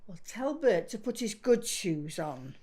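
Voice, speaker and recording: A woman's voice: mid-range voice, very animated, a little slow, darkish tone. An actress playing a forgetful, blunt but sweet elderly grandmother with dementia in an audio drama, muddled and trailing into murmurs. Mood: wistful, muddled.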